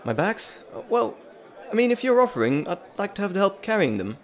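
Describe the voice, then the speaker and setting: A man's voice: high-pitched, very animated, fairly quick, a faint crowd. A man playing an earnest, nervous scientist and professor in an audio drama, with hesitant, stammering, wordy and formal speech. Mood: flustered, awkward. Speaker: voice actor. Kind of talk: dramatic roleplay audio acting.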